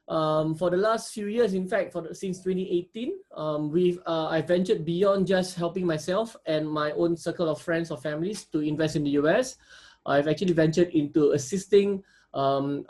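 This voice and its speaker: A man's voice: high-pitched, darkish tone. A man from Singapore giving a workshop presentation, speaking with frequent hesitations and restarts. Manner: hesitant, many fillers and restarts. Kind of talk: seminar presentation.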